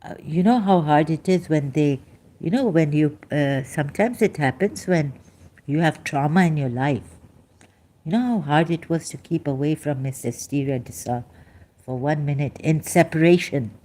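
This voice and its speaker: A woman giving an unscripted personal monologue to camera, halting often and searching aloud for the right words. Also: low voice, dark tone. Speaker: vlogger.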